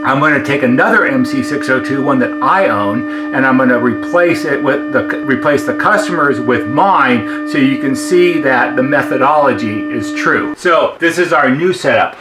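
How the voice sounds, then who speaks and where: A man giving an informal, methodical technical demonstration as a repair technician, explaining each step. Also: mid-range voice. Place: indoor repair workshop. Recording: roomy echo, clearly noisy workshop background.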